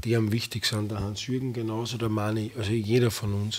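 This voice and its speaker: Intonation here is monotone and flat. The male speaker's pitch sits in the medium range. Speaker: metal band member and painter. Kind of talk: TV interview. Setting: TV studio. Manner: halting, repeats words. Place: studio. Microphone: handheld.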